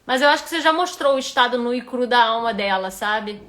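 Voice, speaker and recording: A woman's voice: on the high side, animated, fast talker, a bit bright. A woman with a Rio de Janeiro accent, a writing instructor giving a live critique of a reader's manuscript and thinking aloud with frequent restarts. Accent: Rio de Janeiro Portuguese.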